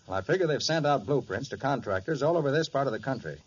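An actor playing a confident, generous master detective with brisk authority in a 1940s radio crime drama. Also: male voice, medium pitch, expressive, slightly rough. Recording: muffled, noisy 1940s radio recording.

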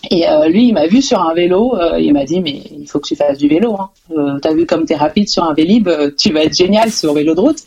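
A woman's voice: low voice, lively intonation, a little fast, few pauses, darkish tone, breathy edge, lo-fi sound. A French woman from Marseille, chatting casually as an interview guest with frequent laughter. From Marseille, France. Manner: chatty, laughs often, many fillers. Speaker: guest, cyclist.

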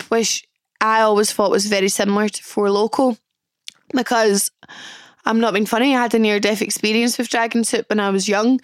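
Young glasgow girl podcasting, croaky hoarse voice, bubbly chatter, dry close mic. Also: fairly high pitch, dry recording. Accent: Glaswegian. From Scotland. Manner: bubbly, chatty, swearing freely. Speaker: podcast host. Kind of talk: casual chat.

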